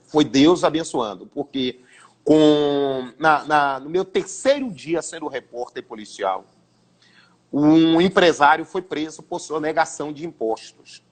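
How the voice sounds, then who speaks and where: Radio man, guest storyteller, high voice, animated, stumbles and restarts. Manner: animated anecdote-telling with repetitions and restarts. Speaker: radio broadcaster and sports commentator, guest. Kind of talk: storytelling in a casual interview.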